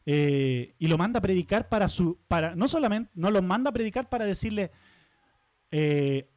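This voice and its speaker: A man preaching from the pulpit in a high-pitched voice. He keeps it conversational, stopping to ask the congregation questions and tossing in light asides. The sound is dry and close, with almost no room echo. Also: animated, moderate pace, a little mellow. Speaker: pastor. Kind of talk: sermon. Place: church sanctuary.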